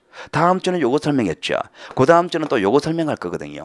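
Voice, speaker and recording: Talking at a very fast pace with lively intonation, a man with a fairly high pitch shows vocal fry, and the sound is dry and close with no echo. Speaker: exam prep lecturer. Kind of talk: lecture. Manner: animated.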